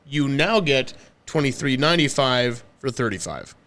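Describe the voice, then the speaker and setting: A man's voice: medium pitch, animated, normal speed, a bit bright. A man speaking casually as a company guest on a podcast. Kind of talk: casual chat.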